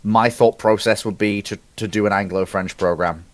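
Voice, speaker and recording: A man's voice: on the low side, steady tone, normal speed. A man in a live debate on military procurement, earnestly building his argument step by step.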